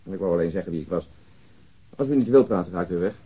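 Unruffled methodical detective, husky, dry and polite, radio play, muffled recording. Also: male voice, sits low, lively intonation, racing, dark tone. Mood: polite, calm. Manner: businesslike, unruffled. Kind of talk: radio drama acting. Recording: dull lo-fi old radio recording.

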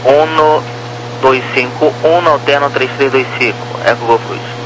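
A man's voice: mid-range voice, steady tone, unhurried. A Brazilian man giving procedural, number-heavy instructions as an air traffic controller over the radio. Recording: noisy humming radio channel.

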